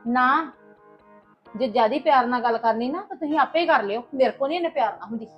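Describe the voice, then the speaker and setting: A middle-aged woman playing a sharp-tongued village mother who rants loudly and fast. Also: sits high, muffled recording, faint music behind, natural voice. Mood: indignant. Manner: rapid scolding rant, loud. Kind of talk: family comedy-drama skit.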